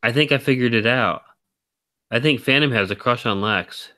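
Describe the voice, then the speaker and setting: A man hosting a live stream, talking in a rambling, teasing way with a deep baritone voice, very tired. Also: normal speed, pushed and bright, no room sound. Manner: rambling, teasing, laughs often. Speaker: stream host. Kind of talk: casual chat.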